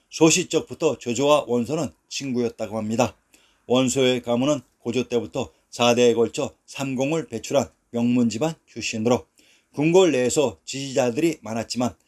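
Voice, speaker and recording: A man narrates a history documentary in a steady, measured read, pausing on each place name as he lists it. His voice sits at a middle pitch. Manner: slow, measured, reads long lists of place names.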